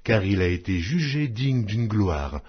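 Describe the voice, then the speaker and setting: Male scripture narrator: husky voice, widely varied intonation, solemn scripted delivery, slightly dull lo-fi sound. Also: lowish voice, big pitch swings, a little slow. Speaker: audiobook narrator reading scripture. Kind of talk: scripted Bible reading. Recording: dull lo-fi audio.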